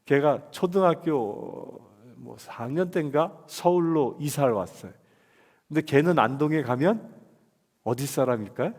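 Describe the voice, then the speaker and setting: A pastor with a Seoul Korean accent preaches an expository sermon in a church, with long hall reverb on the recording. His voice is a little high and a little mellow, with lively intonation and a measured pace. He keeps it conversational, asking listeners questions and then answering them himself.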